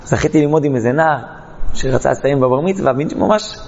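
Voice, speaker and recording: A man's voice: medium pitch, vocal fry, a little mellow, in a large hall, highs cut off. A man teaching a Torah lesson, telling a parable dramatically and acting out the characters. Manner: dramatic storytelling, acts out the characters. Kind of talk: storytelling lesson.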